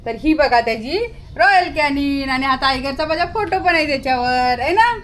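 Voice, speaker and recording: Woman, high-pitched, casual pet vlog, scolding and cooing at dogs, handheld phone, loud barking behind. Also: lively intonation, normal speed, rough recording. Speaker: vlogger filming her pet dogs. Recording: loud dog barking and outdoor noise.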